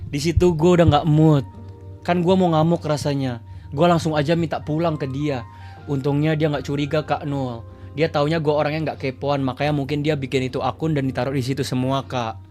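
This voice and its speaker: A man's voice: fairly high pitch, fairly even intonation, a little fast, dark tone, soft background music. A man streaming live, reading viewer confessions aloud in a chatty, teasing way. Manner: chatty, teasing asides to chat. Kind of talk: casual livestream reading.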